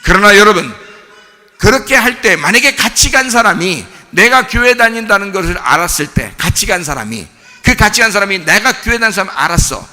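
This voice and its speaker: High, lively-voiced male pastor preaching. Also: a little fast, big-room sound. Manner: emphatic preaching with rhetorical questions, acts out dialogue. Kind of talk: sermon. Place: church sanctuary.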